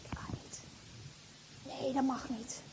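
A woman's voice: sits high, expressive, a little slow. A woman acting as a chatty little schoolgirl who longs for a doll, speaking straight to the audience in a stage monologue, in an echoey hall. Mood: secretive. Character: little schoolgirl, wistful, tempted to take a doll. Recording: echoey hall, faint background noise.

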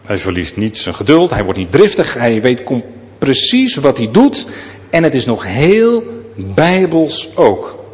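A man preaching a sermon, telling the story in a lively way and speaking straight to his listeners. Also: medium pitch, measured pace, big-room sound.

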